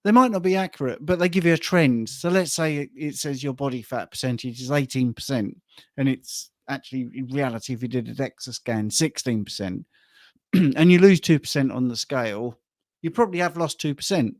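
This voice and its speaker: A hoarse man from England hosting a live Q&A, chatting in a self-mocking way. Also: mid-range voice, a little fast, no echo, clean studio sound. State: hoarse from shouting. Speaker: host reading questions. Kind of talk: live Q&A chat.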